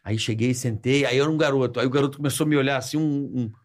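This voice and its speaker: A man with a Brazilian accent excitedly telling a funny anecdote on a podcast, mimicking other people's voices. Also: medium pitch, racing. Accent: Brazilian Portuguese. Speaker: podcast co-host. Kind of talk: casual storytelling chat.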